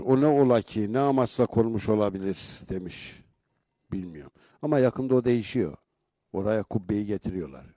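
A man's voice: medium pitch, mellow, no echo. A middle-aged man hosts a local live show, reading viewer comments and answering them in a casual way that builds into emphatic rhetorical questions. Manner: conversational, turning rhetorical and emphatic when he comments.

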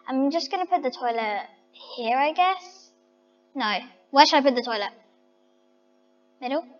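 High-voiced chatty woman playing a game. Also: lively intonation, measured pace, big-room sound, dull audio, soft background music. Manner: chatty, thinking aloud, talks to viewers as guys. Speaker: vlogger. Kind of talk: casual game commentary.

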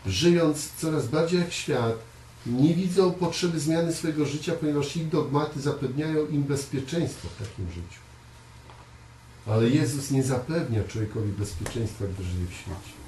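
A man preaching a conversational sermon to a small congregation, earnest, often repeating words and pausing on fillers. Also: a little high, mellow. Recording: echoey room, voice from far off, faint hiss.

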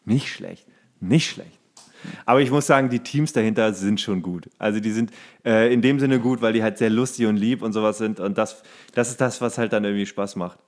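A man's voice: on the low side, a little fast. A man co-hosting a podcast, chatting casually and colloquially in a jokey, teasing way. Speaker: podcast co-host and actor. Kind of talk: casual comedic podcast chat.

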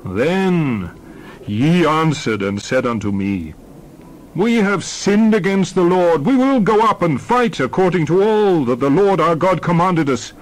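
A man's voice: fairly high pitch, expressive, unhurried, poor audio. A man playing a solemn prophet addressing his people, grave and oratorical, in a dramatized scripture reading. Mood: solemn, admonishing.

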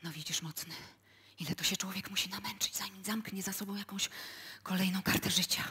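An actress playing a hard, weary, calculating widow in a radio play, with a husky, breathy voice. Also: female voice, mid-range voice, steady tone, brisk, pushed and bright. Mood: weary, conspiring. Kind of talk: live radio play acting.

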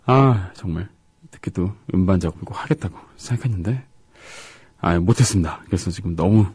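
A man co-hosting a radio show, chatting casually and reading listener comments in a halting, soft-spoken way with gaps between his words. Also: deep voice, slightly rough, no echo.

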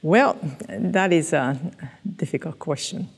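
Older Japanese-accented woman, gravelly and halting. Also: fairly low pitch, long reverb tail. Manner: hesitant, many fillers and restarts, light laughter. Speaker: interviewee, physiologist. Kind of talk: oral history interview. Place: dark studio set, indoors. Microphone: headset mic.

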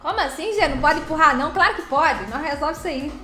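A woman hosts a casual live stream, greeting viewers by name as she plays. Her voice is high and bright, with lively chatter. The sound is echoey, with faint music behind her. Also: quick pace. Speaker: live streamer playing a truck game.

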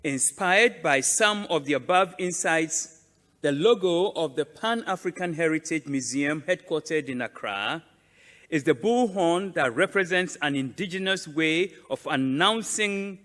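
A man delivers a formal, prepared address in a somewhat high voice. He speaks very slowly and deliberately, leaning on phrases between pauses, and his words ring with long reverb in a large hall. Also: fairly bright tone. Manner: deliberate, measured, emphatic with pauses. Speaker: conference speaker presenting a museum.

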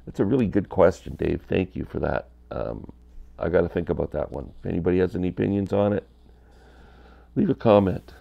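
In a brisk, creaky, low voice with lively intonation, a man in his fifties vlogs about his vinyl collection from a small basement room. The audio is dull, he's congested from a cold, and his rambling is chatty and candid, with plenty of hand gestures.

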